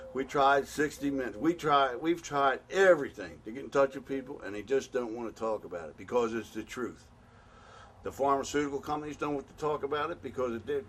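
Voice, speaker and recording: A middle-aged American man speaks in a plain, mid-pitched voice, blunt and worked up. He pleads and scolds by turns, stumbling over words and starting again, like a regular guy making a heated appeal. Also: a little hiss or hum. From United States. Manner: blunt, angry, pleading, with many restarts. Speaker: patient advocate. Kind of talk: impassioned spoken appeal.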